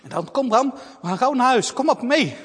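A man voicing a brave, anxious little girl, raised high and pleading. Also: animated, a little fast, slightly rough, full character voice. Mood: overjoyed. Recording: long reverb.

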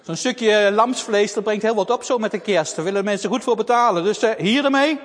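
A man voicing a greedy, menacing sheep thief who talks loud and gruff. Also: high voice, fairly quick, lightly acted. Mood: sneering. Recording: long reverb.

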